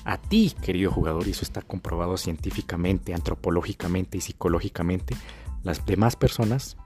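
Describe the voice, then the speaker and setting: Emphatic man, low and mellow. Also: fairly quick, soft background music. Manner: emphatic, repetitive, slangy. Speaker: confidence coach. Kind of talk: motivational monologue.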